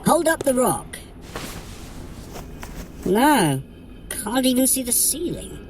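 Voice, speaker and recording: An actress playing a haughty, mischievous trickster god in an audio adventure, theatrical, arch and wry as they guide a runner. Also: female voice, on the high side, sing-song, takes it slowly, a little mellow, a little hiss or hum. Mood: brisk, amused. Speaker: voice actor guiding a running workout. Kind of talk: in-character audio adventure narration.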